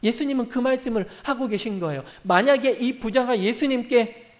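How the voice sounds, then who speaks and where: A man with a very high voice delivers a sermon from the pulpit. He speaks straight to his congregation and keeps asking them questions. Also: brisk. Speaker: pastor.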